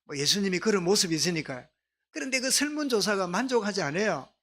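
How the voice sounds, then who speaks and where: A middle-aged pastor from Gyeongsang with a Gyeongsang Korean accent, preaching a sermon in a soft-spoken way and drawing his congregation into responses. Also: high voice, sing-song, quick pace. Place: church sanctuary.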